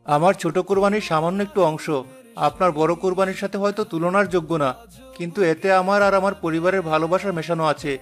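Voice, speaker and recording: An actor voicing a humble, poor middle-aged village father in a cartoon, gentle and modest. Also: sits high, steady tone, quick pace, close to an everyday voice. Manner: warm, humble. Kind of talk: cartoon voice acting. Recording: music underneath.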